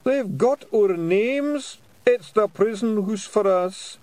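A man's voice: fairly high pitch, steady tone, takes it slowly, darkish tone, clean tone, no echo, pitched above the performer's own voice. Man doing a wailing Scottish pixie. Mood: wailing dread. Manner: wailing, moaning. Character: timid blue pixie, male, gloomy and fearful.

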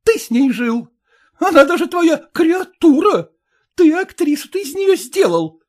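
A man's voice: very high-pitched, sing-song, moderate pace, a little mellow, voice pushed up, heavily acted. A man voicing a jealous, hysterical young actress who shrilly accuses her husband. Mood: furious.

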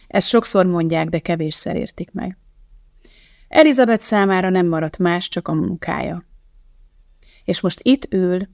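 A woman narrating an audiobook in a measured, even way. Her voice is somewhat low and gravelly. The recording is dry and close. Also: no echo.

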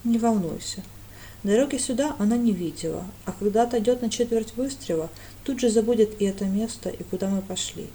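A woman's voice: medium pitch, a little fast, mellow, a little hiss or hum, lightly acted. A woman voicing a cold, curt male priest with a clipped, dry manner.

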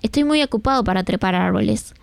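A woman's voice: medium pitch, animated, fast talker, gravelly, dry recording. A woman reading as a boy grown old. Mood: wanting. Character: boy growing into a tired old man.

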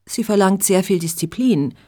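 A woman's voice: medium pitch, animated, normal speed, mellow, close to an everyday voice. A woman reading a cheerful young local woman. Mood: friendly.

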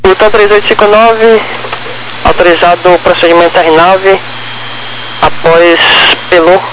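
A man's voice: high-pitched, flat delivery, unhurried, a bit bright, poor audio. A Brazilian man working as an air traffic controller, giving procedural instructions over a walkie-talkie style radio. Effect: radio transmission.

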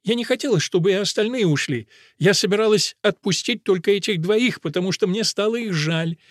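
A man's voice: sits high, a little fast, no echo, studio quality, voice pushed up, lightly acted. A man playing a sly, pleading young woman. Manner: pleading, soothing.

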